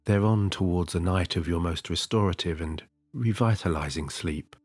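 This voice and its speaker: Deep husky man guiding sleep hypnosis. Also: no echo. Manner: soft, slow and soothing, with long pauses. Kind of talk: slow guided sleep hypnosis. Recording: dry close studio voice over soft music.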